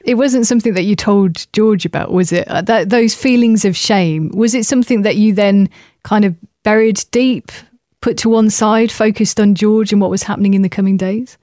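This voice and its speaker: A woman interviewer asking a guest gentle, probing questions. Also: medium pitch, normal speed, no echo, studio quality.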